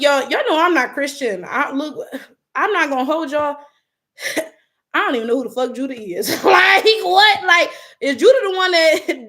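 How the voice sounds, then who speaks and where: Reading viewer comments aloud on her livestream, a woman with a Detroit accent chats casually in a high, slightly bright voice. She's loose and slangy, laughs often, and her voice cracks now and then.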